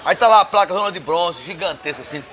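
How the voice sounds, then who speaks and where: Northeastern Brazilian man, guest: bright, forceful voice, emphatic and combative, swears freely. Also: high-pitched, lively intonation, fast talker. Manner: emphatic, combative, salty language. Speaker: interview guest. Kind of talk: casual bar interview. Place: bar.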